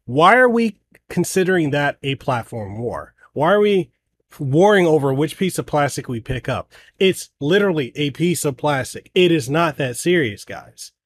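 A man hosting a gaming podcast, ranting bluntly and heatedly, with plenty of swearing. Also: a little high. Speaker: podcast host. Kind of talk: ranting solo podcast talk.

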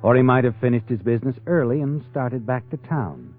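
A man's voice: medium pitch, lively intonation, a little fast, natural voice. An actor playing a sly, ominous male narrator who taunts a guilty man in a 1940s radio drama. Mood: ominous, uneasy. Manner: insinuating, taunting tag questions. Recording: tinny vintage radio broadcast. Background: dramatic music.

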